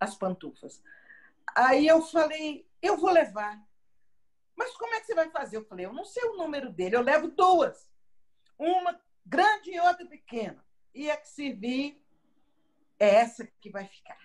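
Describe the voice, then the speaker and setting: A woman talks at a fairly slow pace in a high voice, with long, frequent pauses. Her pitch swings very widely and her loudness rises and falls sharply. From Minas Gerais, Brazil. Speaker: spiritist speaker and lecturer. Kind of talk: interview answer, personal anecdote.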